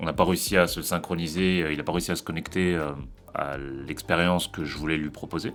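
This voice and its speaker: With music in the background, a man speaks in a very deep, low pitch. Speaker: street hypnotist. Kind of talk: reflective monologue. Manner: hesitant.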